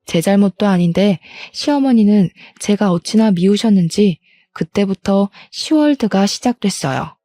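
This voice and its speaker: A woman's voice: medium pitch, expressive, normal speed, dark tone, no echo, clean studio sound. A young adult woman telling a first-person story in a plaintive, aggrieved way. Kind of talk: scripted first-person narration.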